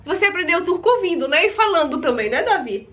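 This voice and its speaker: A woman's voice: very high voice, big pitch swings, fast, a bit bright. A young woman from Brazil, chatting casually to the camera as a vlogger and often calling out to her viewers. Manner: chatty, repeats "gente" often.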